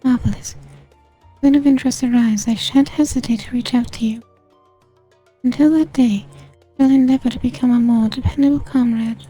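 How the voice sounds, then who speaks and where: Voice changer effect, a man playing a formal young woman scholar, high pitch, very dark and mellow tone, earnest and apologetic. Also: steady tone, moderate pace, soft background music. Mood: grateful. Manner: formal, old-fashioned phrasing read from a game script. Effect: voice changer raising the voice. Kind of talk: reading game dialogue aloud for a stream.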